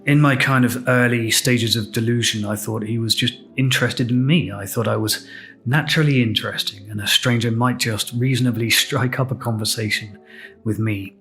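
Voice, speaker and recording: A man with an English accent hosting a podcast, telling a personal story in a reflective, candid, unhurried way. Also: medium pitch, fairly even intonation, fairly bright tone, soft background music. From England. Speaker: podcast host.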